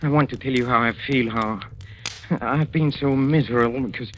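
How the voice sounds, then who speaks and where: A man's voice: medium pitch, moderate pace, a bit bright, a little hiss or hum, lightly acted. An actor playing a scheming male boxing manager who stammers, pleads and menaces, in 1940s radio acting. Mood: fawning. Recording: dull old radio recording.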